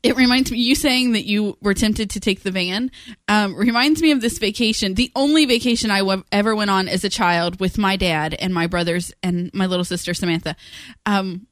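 A woman's voice: medium pitch, normal speed, dry recording. A woman in her thirties co-hosting a casual family podcast in a studio, teasing and laughing often. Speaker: podcast co-host. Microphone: studio microphone.

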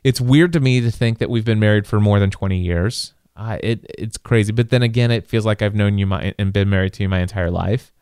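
Clear-voiced man in his forties, chatting casually. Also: lowish voice, a little fast, few pauses, darkish tone, no room sound, studio quality. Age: 40s. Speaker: podcast co-host. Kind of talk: casual married-couple chat.

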